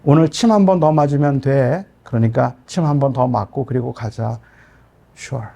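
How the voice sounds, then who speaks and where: Gravelly-voiced man preaching a sermon. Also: mid-range voice, normal speed. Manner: emotional storytelling, rising to loud outbursts. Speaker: pastor. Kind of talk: sermon with personal story.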